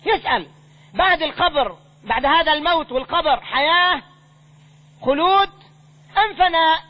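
A man's voice: very high-pitched, animated, normal speed, muffled recording. A man, a sheikh giving a religious lesson and explaining verses line by line in everyday speech. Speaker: sheikh teaching a creed text.

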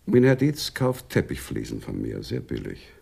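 Very deep, gravelly, philosophical Arab businessman. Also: wildly swooping pitch, dark tone, heavily acted. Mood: matter-of-fact, polite. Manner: measured, musing, formally polite. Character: philosophical Arab businessman, polite, evasive, digressive. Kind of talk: radio drama acting.

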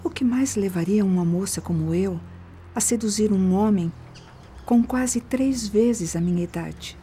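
An actress playing a vain, tormented young mistress confessing in a Brazilian radio drama, dramatic and breathy, with a Brazilian accent. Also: female voice, medium pitch, measured pace, mellow, slight background noise, close to an everyday voice. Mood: wistful confession.

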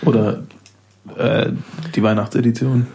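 A man's voice: mid-range voice, fairly even intonation, unhurried, gravelly, warm tone. A man hosting a podcast in a casual, colloquial, bantering chat. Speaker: podcast host.

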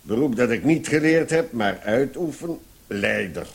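An actor playing a cheeky, mock-polite gang leader under arrest, unbothered, in a comic radio play. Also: male voice, medium pitch, expressive, a little slow, creaky, husky, exaggerated voice.

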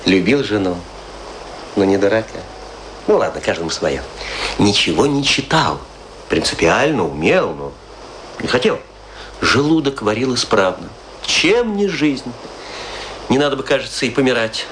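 Low, swooping, morbidly wry storyteller. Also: male voice, very animated, normal speed, long pauses, a bit bright, a little hiss or hum, rough recording. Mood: mocking, gossipy. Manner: theatrical, ironic, rhetorical questions, dramatic swings. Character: chatty, morbidly wry man musing over death and graves. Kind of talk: theatrical radio play monologue, conversational Russian storytelling.

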